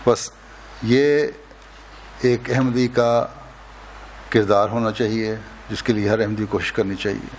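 Solemn older man giving a slow sermon. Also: fairly low pitch, steady tone, a little hiss or hum. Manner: slow, measured, solemn delivery with long pauses. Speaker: religious leader giving an address. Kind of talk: sermon at a mosque opening. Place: indoors, mosque hall lectern. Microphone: lectern microphone, close.

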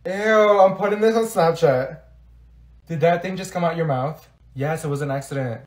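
Casting: man to voice sassy teenage girl, high voice, complaining and dramatic, school comedy. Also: moderate pace, darkish tone, roomy sound, lightly acted. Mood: gossipy.

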